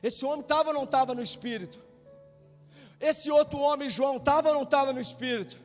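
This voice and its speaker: A man's voice: very high-pitched, a little fast. A male pastor preaching an impassioned sermon, firing rhetorical questions at the congregation. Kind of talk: Pentecostal sermon. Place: church sanctuary. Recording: long church reverb, faint music.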